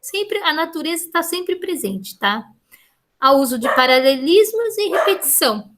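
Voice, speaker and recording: A woman's voice: sits high, big pitch swings, normal speed, noisy background. A woman teaching literature in a casual classroom manner with a Brazilian Portuguese accent, reading verses aloud and checking in with her students through frequent tag questions.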